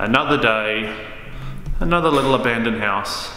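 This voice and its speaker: Over light background noise and audible room echo, a man speaks at a fairly quick pace with ordinary pitch variation. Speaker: urban explorer vlogger. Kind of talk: casual vlog chat. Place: home room. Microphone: phone near.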